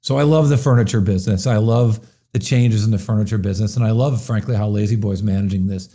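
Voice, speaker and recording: A man's voice: lowish voice, fast, warm tone. A man hosting a business talk show, talking in a chatty, opinionated way with plenty of fillers. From US Midwest. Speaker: show host.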